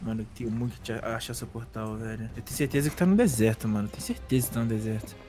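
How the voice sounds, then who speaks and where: A man's voice: on the low side, very fast, dark tone, faint music behind. A young Brazilian man playing as a guest in casual gameplay chat, teasing and laughing often. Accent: Brazilian Portuguese. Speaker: guest player.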